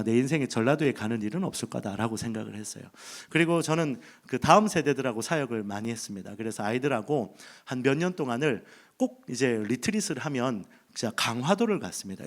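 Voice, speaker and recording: A man from Busan preaching a sermon from the pulpit of a church sanctuary, speaking into a handheld mic and telling a humorous story with acted inner thoughts. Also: mid-range voice. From Busan, South Korea. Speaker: pastor.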